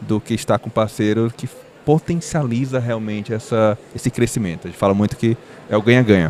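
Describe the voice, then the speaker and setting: In a Ceará accent, a man speaks at a moderate pace and a medium pitch with ordinary pitch variation. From Ceará, Brazil. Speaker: podcast host. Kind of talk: casual chat.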